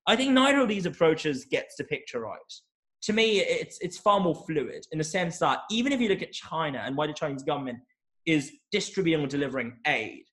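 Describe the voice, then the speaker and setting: A young male academic giving an analytical interview answer, measured and hedging, often repeating words as he restarts. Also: on the high side, animated, a bit bright. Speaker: academic guest.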